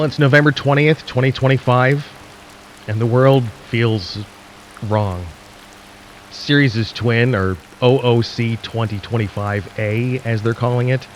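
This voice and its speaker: A man playing an anxious, ominous radio host in a radio drama, addressing listeners haltingly as the world ends. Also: medium pitch, a little hiss or hum, lightly acted, low-quality recording. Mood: grim, uneasy. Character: anxious late-night radio host broadcasting through an apocalypse.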